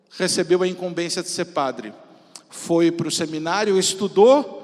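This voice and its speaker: A man in his fifties speaks from a stage in a notably high-pitched voice with a São Paulo Brazilian accent. He tells personal stories like an entrepreneur on the festival circuit, informal and theatrical with emphatic pauses. His words ring with the long reverb of a large hall. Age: 50s. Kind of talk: motivational personal-story stage talk.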